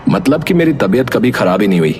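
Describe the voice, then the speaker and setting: A man's voice: fairly low pitch, big pitch swings, fast talker, music in the background. A man playing a defiant, smirking young village man with a blunt, challenging manner in a story. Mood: smug. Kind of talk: acted moral story dialogue.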